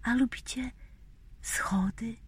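A woman telling a bedtime story to small children in a whispery, breathy voice, gently repeating phrases and asking them questions. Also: on the high side, steady tone. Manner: slow, gentle, addressing little children with repetitions and questions.

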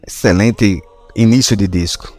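A man with an Alagoas accent co-hosting a casual music podcast, relaxed and slangy, often repeating words as he talks. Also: fairly low pitch, unhurried, dry recording. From Alagoas, Brazil. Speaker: podcast co-host. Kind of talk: casual podcast chat about music albums.

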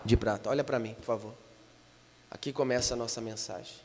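A man preaching a sermon as pastor, dropping to a hush and then rising to loud, impassioned appeals. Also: medium pitch, fairly even intonation, fairly quick, slight background noise. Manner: impassioned, swings from hushed to loud. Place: church. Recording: long church reverb.

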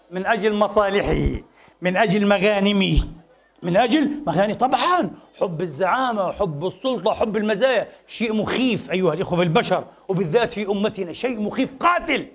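Fiery male preacher, high voice, rapid emphatic delivery, dull lo-fi mosque recording. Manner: impassioned, emphatic, repetitive rhetoric. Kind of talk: Friday sermon.

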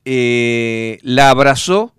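A man's voice: medium pitch, extremely slow, a bit bright, smooth, no room sound, studio quality. A man with a Rioplatense Spanish accent, hosting a radio show and telling a story in a chatty way, full of fillers. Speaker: radio host.

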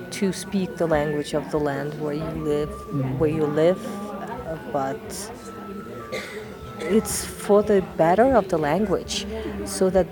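A woman who heads a museum department, answering an interview in a deliberate, persuasive way. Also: deep voice.

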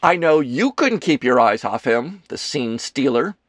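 A man's voice: medium pitch, very animated, unhurried, no echo, studio quality, voice pushed up. A man voicing a dramatic, bossy, flirtatious actress with a theatrical, exclaiming delivery in an audiobook. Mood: teasing, bossy. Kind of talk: audiobook character dialogue.

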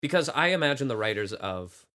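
A man's voice: mid-range voice, fairly quick. Casual man hosting, slight lisp. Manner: animated anecdote telling, acting out quoted lines. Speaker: podcast host. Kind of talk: casual group chat.

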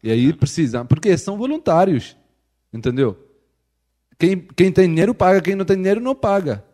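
A man speaking Portuguese as a second language with a European Portuguese accent, explaining things in a casual interview and often pausing to restart his phrases and checking in with his listeners. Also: high voice, expressive, warm tone. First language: not Portuguese. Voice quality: hesitant, with frequent restarts and filler checks. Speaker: missionary guest.

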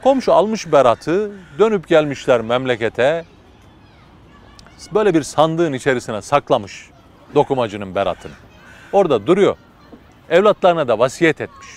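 A man's voice: fairly high pitch, big pitch swings, moderate pace, pauses often, a little mellow. Man telling a dramatic religious story. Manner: vivid, dramatic, with casual fillers.

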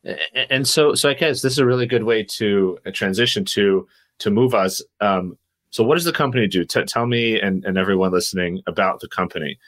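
A man hosting an interview podcast, asking probing questions at a quick pace with a few stammered starts. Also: on the low side, a bit bright, dry recording. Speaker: podcast host.

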